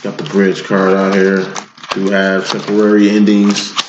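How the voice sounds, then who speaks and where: A fairly slow delivery, audible room echo, and noticeable background noise. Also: man. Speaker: tarot reader and life coach. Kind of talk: tarot reading. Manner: monotone; casual, slangy.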